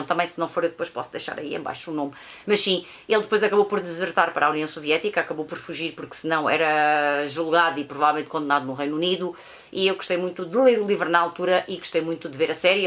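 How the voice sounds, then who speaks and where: A woman's voice: on the low side, fairly bright tone. A woman with a European Portuguese accent chatting casually in a vlog, rambling and repeating herself with many fillers. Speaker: vlogger reviewing films and series. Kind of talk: casual monthly recap vlog.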